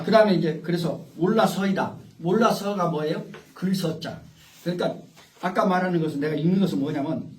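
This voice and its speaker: A man's voice: on the high side, darkish tone. A man giving an informal, rambling lecture to a small group, often interrupted by the audience. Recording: echoey room, far from the mic.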